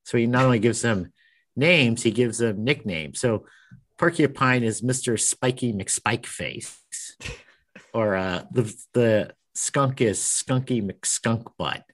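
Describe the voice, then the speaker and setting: A man talking shop as a cartoonist host in a loose, casual chat. His humor is dry, and he teases his co-host with deadpan jabs. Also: medium pitch, slow pace. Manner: dry, joking, teasing.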